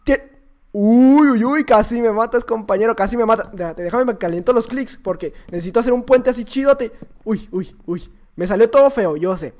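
A man with a Mexican accent giving excitable live commentary while playing a game, shouting and joking at his opponents with quick repeated exclamations. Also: very high-pitched, slight background noise. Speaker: YouTuber playing a block-building game.

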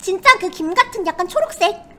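Perky woman with very high cutesy voice. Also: animated, brisk, bright, forceful tone. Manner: polite, perky, refers to herself by name. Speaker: host, snack reviewer. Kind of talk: casual livestream commentary.

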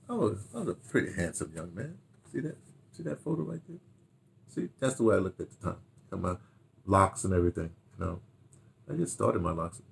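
An older man with a lowish voice chats casually to the camera at home. He rambles through memories, wandering off on tangents and repeating phrases, sometimes talking half to himself. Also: creaky. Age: older, 60s or 70s. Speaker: radio drama director and producer reminiscing. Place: furnished room at home, indoors.

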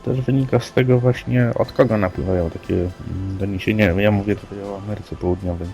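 Male co-host, deep-voiced, conversational and hesitant, over a faint music bed. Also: steady tone, fast talker, mellow, poor audio. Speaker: podcast co-host. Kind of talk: conversational presentation of news reports. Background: background music.

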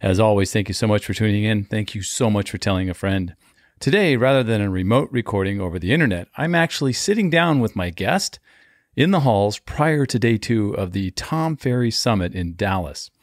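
A man's voice: on the low side, animated, fairly quick, no room sound, studio quality. A man hosting a podcast interview, friendly and upbeat, recorded at a conference. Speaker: podcast host. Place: hallway at a conference.

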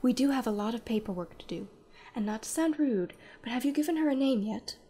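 Woman as a gentle pony nurse. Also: a little high, expressive, brisk, breathy edge. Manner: gentle, reassuring. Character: kindly pony nurse, adult mare.

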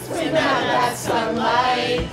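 A woman's voice: fairly high pitch, fairly even intonation, extremely slow. A woman singing a song in a live puppet show in an event hall. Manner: singing a capella over music. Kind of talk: live sung performance. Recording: echoey hall from far off.

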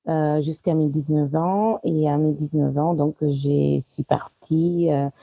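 Low husky woman with gravelly edge. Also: steady tone, measured pace, no echo, muffled recording. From Italy. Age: 30s. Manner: warm, laughs often, many hesitations. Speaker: guest. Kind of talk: casual interview talk.

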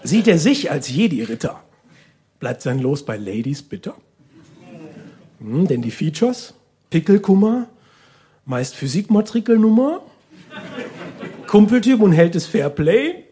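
A man's voice: fairly high pitch, very animated, unhurried, long pauses, warm tone, a little hiss or hum. A male comedian performing a live monologue in a wry, colloquial and theatrical way. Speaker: stand-up comedian and slam poet. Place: live stage before an audience. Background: audience laughter.

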